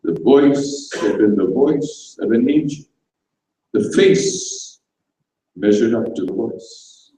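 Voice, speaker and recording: A man reading a comic story aloud on stage, with a slow, wry delivery. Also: medium pitch, wildly swooping pitch, dark tone, a little hiss or hum. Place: festival stage, hall. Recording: echoey hall from far off.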